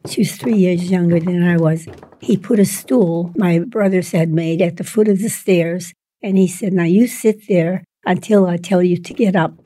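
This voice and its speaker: Older woman recalling her childhood, slow and plain. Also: fairly low pitch. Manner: slow, plain storytelling with soft laughs. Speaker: interviewee. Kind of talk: oral history reminiscence.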